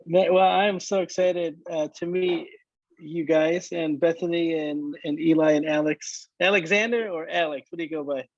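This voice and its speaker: A worship leader from Michigan in his late thirties talks casually about his life, restarting often and leaning on fillers. His voice is a little high and steady, and the recording is dry with the highs cut off.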